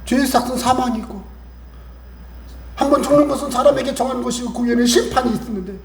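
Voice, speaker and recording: A pastor with a very high-pitched voice and vocal fry preaches a Sunday sermon at a quick pace, keeping it chatty as he quotes scripture and acts out little exchanges. The recording comes from an echoey church room with faint hiss.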